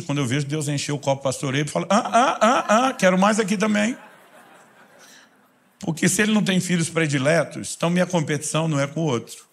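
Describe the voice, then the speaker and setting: A Brazilian preacher with a husky voice pitched a little above most men's. He tells a story as a sermon, getting loud and pressing at times, then dropping to an intense hush. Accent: Brazilian Portuguese. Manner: animated, swings from loud bursts to hushed intensity. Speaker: pastor.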